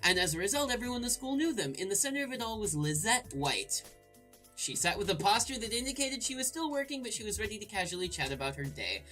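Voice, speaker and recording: A woman's voice: medium pitch, very animated, fast, fairly bright tone, faint music behind. A woman hosting a let's play, reading game text aloud and breaking in with irreverent, crude, jokey asides.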